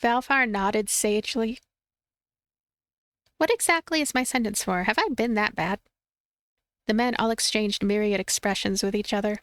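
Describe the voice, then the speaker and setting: A woman reading a visual novel aloud as a let's play streamer, expressive and playful, with commentary. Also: mid-range voice, normal speed, pauses often, no room sound, studio quality. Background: game music.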